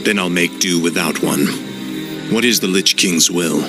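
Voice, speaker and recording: Cold young death knight, deep voice, slow deliberate lines, grim and remorseless, game score behind. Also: male voice, loud music behind the voice. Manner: flat, grim and unrepentant. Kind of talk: video game cutscene acting. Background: orchestral score.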